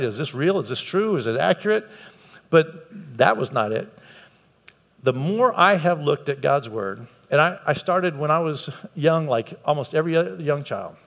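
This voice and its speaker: A man's voice: on the high side, creaky, a bit bright. An earnest man delivers a conversational sermon, his somewhat raised voice climbing whenever he leans on a point. He repeats words and phrases for emphasis. His voice carries with a long reverb through a church hall filled with a congregation. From United States. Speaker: preacher.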